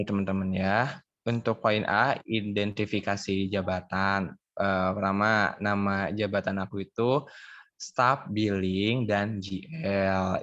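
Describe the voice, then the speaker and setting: A man's voice: fairly low pitch, no room sound. A young man with a slight Sundanese accent, a hospital billing staffer explaining his job casually on a video call with many fillers. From West Java. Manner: relaxed, informal, frequent fillers. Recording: dull, muffled video call audio.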